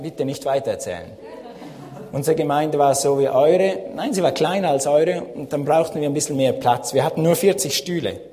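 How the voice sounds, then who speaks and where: A man's voice: fairly high pitch, warm tone. A man from Switzerland with a Swiss accent in his Standard German, preaching a friendly, chatty sermon as a guest pastor in a church hall. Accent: Swiss German speaking Standard German. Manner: friendly, chatty, laughs often, rising emphasis. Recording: long hall reverb.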